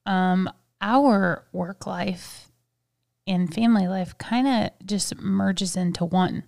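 A woman co-hosts a casual podcast on a studio mic, with a fry running through her voice. She talks quietly and relaxed, at an easy mid pitch. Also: slow. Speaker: podcast co-host.

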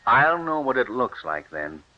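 An actor in a 1940s radio play gives voice to a young adult scientist turned farmer, an earnest, stubborn man who gave up his university job. He speaks at medium pitch in an unhurried, sing-song way, earnest and intense, through a muffled old recording.

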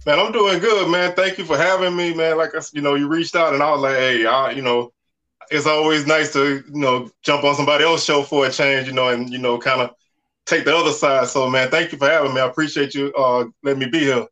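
A man in his forties with a drawl, chatting loosely about college football. His voice sits a touch high and sounds bright and forceful. He leans on easy fillers like "you know" and "man.". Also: a little fast. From Southern United States. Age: 40s. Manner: relaxed, conversational, lots of "you know" and "man". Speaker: podcast guest. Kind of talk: casual sports talk.

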